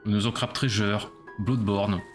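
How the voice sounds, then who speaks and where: A man's voice: on the low side, fairly even intonation, measured pace, faint music behind. A man casually commenting on his own gameplay during a live stream, chatty and self-mocking as he talks to his chat.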